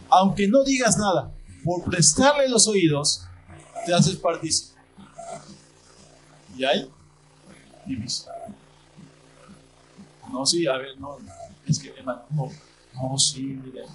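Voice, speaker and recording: A man preaching a sermon as pastor, acting out church members in lively asides. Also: sits high, rough recording.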